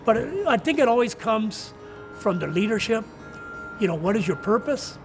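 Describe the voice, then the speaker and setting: An older man, a retiring coach, giving earnest, reflective interview answers in a deliberate way with pauses. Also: high-pitched, big pitch swings, over music. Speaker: retiring college soccer coach.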